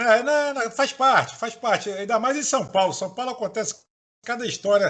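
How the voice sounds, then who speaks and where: This man's voice is extremely high, with a bright, sharp tone. He talks at a moderate pace with ordinary pitch variation. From Rio de Janeiro, Brazil. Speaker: show host. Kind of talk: casual chat.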